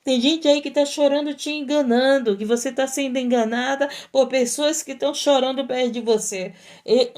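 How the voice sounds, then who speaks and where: A woman's voice: high voice, fairly even intonation, normal speed, a little mellow. Fervent woman preaching. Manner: fervent, repetitive exhortations with frequent "praise God". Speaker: missionary preacher. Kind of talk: sermon.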